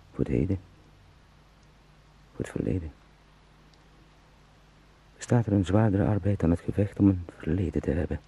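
Radio play lead: anguished man-turned-insect, low, dark, halting, brooding. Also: vocal fry, a little hiss or hum, exaggerated voice, rough recording. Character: weary, anguished travelling salesman turned into a beetle. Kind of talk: intimate radio drama monologue.

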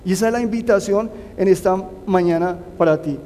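A man's voice: sits high, a little fast, dark tone, a little hiss or hum. A man preaching a sermon, earnestly urging his listeners to put their trust in God. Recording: long hall reverb.

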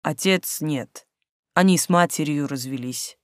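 Reader putting on a self-assured sporty teen boy: calm, firm, a touch lower, dry. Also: measured pace, no echo, natural voice. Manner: calm, matter-of-fact.

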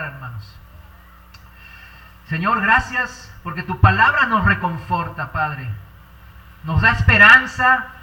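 A man preaching a sermon and leading a prayer, fervent, drawing out key words slowly. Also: high-pitched, bright, forceful tone, slight background noise. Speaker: pastor. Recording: roomy echo, far from the mic.

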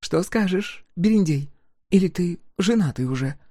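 A man's voice: high voice, expressive, moderate pace, warm tone, dry recording, clean studio sound, voice pushed up. A man reading an audiobook, voicing a bold, mocking young village girl who speaks slyly and haughtily. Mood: teasing. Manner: sly, teasing, haughty.

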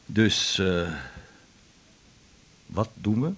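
An actor playing a wry, protective gay doctor who banters kindly with a colleague in a naturalistic radio drama. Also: male voice, low-pitched, drawn-out words, vocal fry, breathy edge, heavily acted.

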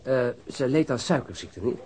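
A man's voice: medium pitch, lively intonation, moderate pace, darkish tone, slight background noise, close to an everyday voice. An actor playing a policeman in a Dutch radio crime drama, pondering and checking his memory as he questions a colleague. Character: male police colleague recalling an old investigation, questioning.

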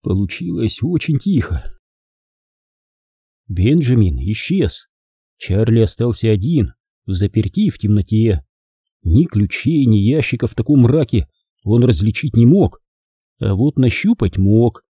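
A man narrating an audiobook in a lively, expressive storytelling manner. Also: lowish voice, a little slow, long pauses, husky, dry recording, clean studio sound. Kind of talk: scripted narration.

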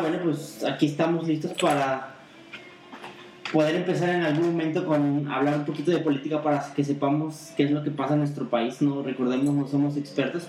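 A man's voice: a little high, darkish tone, recorded from a distance, a little hiss or hum. Rambling Mexican man in an echoey room. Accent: Mexican Spanish. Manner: rambling, hesitant, many restarts. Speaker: podcast co-host. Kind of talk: casual political chat.

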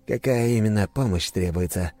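A man voicing an older father, weak and hoarse after a coma, who speaks in short, commanding demands. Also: on the low side, normal speed, darkish tone, faint music behind, pitched above the performer's own voice, close to an everyday voice. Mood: grim. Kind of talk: audiobook character voice.

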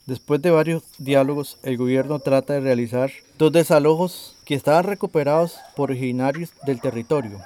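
A man working as a community radio reporter, reading a news report in a measured, deliberate way and interviewing a guest. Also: medium pitch, mellow.

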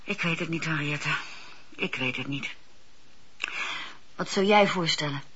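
Sensible doubtful lady in radio play, husky, muffled recording. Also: low-pitched, a little slow, fairly bright tone, full character voice. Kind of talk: Dutch radio drama acting.

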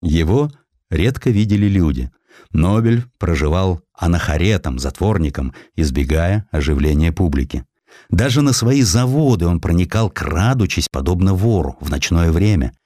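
A man reading a historical sketch as an audiobook narrator, in an expressive, dramatized storytelling manner with deliberate phrasing. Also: low voice, dry recording, studio quality.

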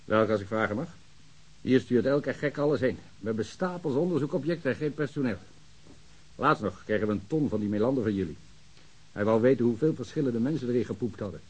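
A man's voice: medium pitch, animated, brisk, darkish tone, husky. A man playing an overworked, sardonic police ballistics technician who grumbles and complains in a radio drama. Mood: sarcastic.

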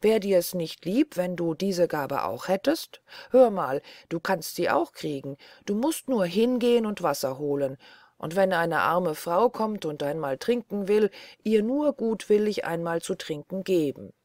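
A woman's voice: fairly low pitch, lively intonation, measured pace, darkish tone, no room sound, studio quality. A woman reading an audiobook, voicing a bossy, scolding mother in a fairy tale. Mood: coaxing. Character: scolding, doting mother of two girls.

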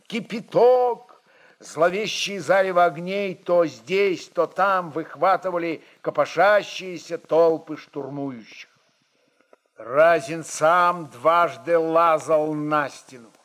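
Casting: male narrator for historical fiction, dramatic delivery, unhurried pace, voice pitched a little high. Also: a bit bright.

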